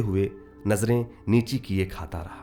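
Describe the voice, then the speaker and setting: Music plays in the background as a man speaks. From India. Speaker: poet and storyteller. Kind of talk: audio short story narration.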